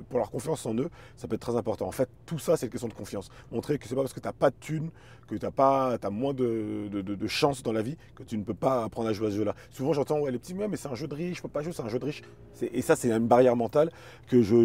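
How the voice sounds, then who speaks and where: A man's voice: mid-range voice, warm tone. A man, talking casually and reflectively as an interview guest, often repeating words as he searches for phrasing. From Paris suburbs, France. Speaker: interview guest, chess teacher and performer.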